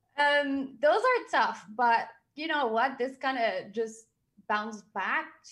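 A woman at a very slow pace with lively intonation. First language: French. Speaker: business professional, client manager. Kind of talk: casual live interview. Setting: live online stream.

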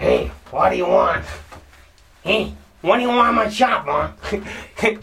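A put-on character voice with a fairly high pitch moves at a fairly slow pace. Long pauses come often. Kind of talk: alto. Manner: gruff, confrontational.

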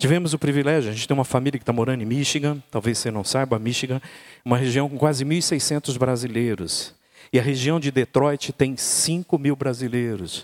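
In a normal speaking voice, a man speaks at a fairly quick pace with a medium pitch. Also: ordinary pitch variation. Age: 50s. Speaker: pastor. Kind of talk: sermon.

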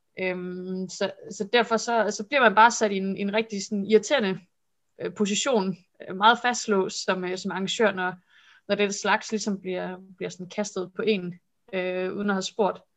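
Using fairly even intonation, a woman talks at a fairly slow pace with a medium pitch. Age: 20s. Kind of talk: casual interview. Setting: video call. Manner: halting, many fillers.

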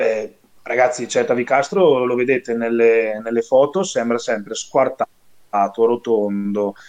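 A man with a plain, everyday voice, medium pitch, ordinary pitch variation and a fairly slow pace. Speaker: bodybuilding athlete. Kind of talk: casual chat.

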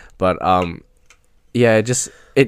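A man with an Australian accent, on a very clean recording with a silent background. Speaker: university student and former footballer. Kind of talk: casual chat.

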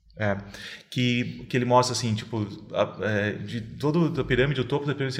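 A man talks at a moderate pace in a somewhat breathy, medium-pitched voice with ordinary pitch variation. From Santa Catarina, Brazil (Rio do Sul). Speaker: journalist and communications consultant. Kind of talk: podcast interview.

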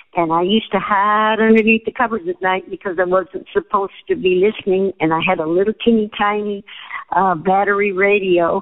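With an American accent, a woman in an ordinary speaking voice talks at a fairly quick pace with medium pitch and fairly even intonation. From United States. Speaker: podcast host. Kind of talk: casual chat.

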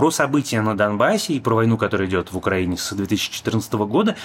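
Fairly low in pitch, a man talks with ordinary pitch variation. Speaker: film producer. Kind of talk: prerecorded commentary.

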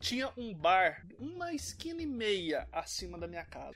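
A man speaks at a moderate pace. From western Minas Gerais, Brazil. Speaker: podcast co-host. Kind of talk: casual chat.

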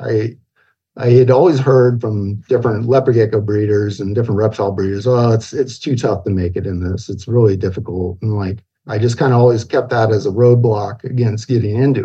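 Medium-pitched male voice, dark and mellow in tone, somewhat breathy, fairly even in intonation, at a fairly quick pace. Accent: American. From Southern California. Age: 40s. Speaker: gecko breeder. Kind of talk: casual interview.

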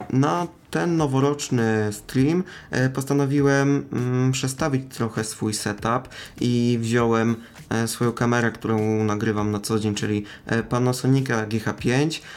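A man's medium-pitched voice, with ordinary pitch variation, moves at a very slow pace. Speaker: podcast host and video editor. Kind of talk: casual chat. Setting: live stream.

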